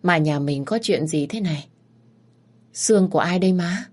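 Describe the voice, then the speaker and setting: A woman's voice: lowish voice, normal speed, darkish tone, natural voice. A woman voicing a bewildered young man who insists on knowing what happened. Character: young man, stunned and pleading son.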